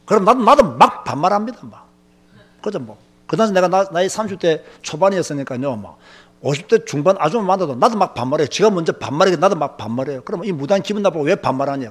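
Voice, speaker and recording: Male pastor, high-pitched and emphatic storytelling sermon delivery. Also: fast talker, breathy edge. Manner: emphatic, animated storytelling with many filler words.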